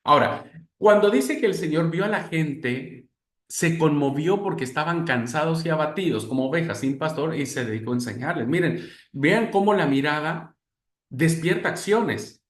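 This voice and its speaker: A man's voice: a little high, expressive, moderate pace, roomy sound. Preaching man. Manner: addresses listeners as brothers, acts out quoted voices. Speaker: Christian spirituality teacher. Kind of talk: class lecture in a preaching manner.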